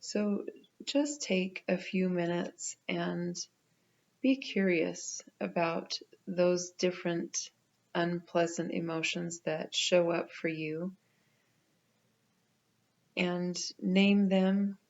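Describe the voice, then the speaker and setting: A woman leading a guided meditation in a gentle, unhurried manner with pauses. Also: on the low side, fairly even intonation, gravelly, dull audio.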